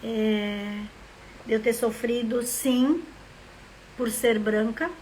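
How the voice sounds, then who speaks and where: On a casual live stream, a woman from Rio Grande do Sul, Brazil, who is a member of a literary academy, speaks high in her range with a steady, slightly mellow tone and drawn-out words. She rambles reflectively and greets viewers by name as comments arrive, over a faint hum of noise.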